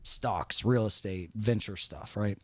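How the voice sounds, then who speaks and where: A man's voice: on the low side, takes it slowly, no room sound. A man hosting a casual money podcast, joking and putting questions to his co-hosts. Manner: relaxed, joking, asks questions. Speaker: podcast host.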